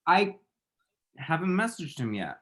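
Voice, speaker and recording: A man's voice: on the high side, sing-song, a little slow, pushed and bright, heavily acted. A man acting a flamboyant, chatty young gay man with a theatrical, sassy delivery in a comedy table read. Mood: flustered.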